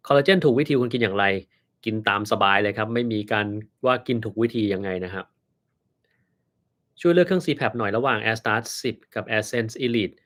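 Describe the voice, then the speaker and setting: A man's voice: fairly low pitch, moderate pace, a bit bright. A man, a doctor, reading out viewer questions on a live stream and answering them bluntly, with a dry sense of humor.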